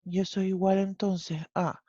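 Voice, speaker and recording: A math teacher with a Chilean accent works through a problem in an online class, step by step. The voice is mellow, and the lo-fi audio sounds dry, with no room around it. The teacher keeps checking that the students follow. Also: medium pitch, little pitch movement, normal speed, dry recording. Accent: Chilean Spanish. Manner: explains step by step, often checks with "¿cierto?".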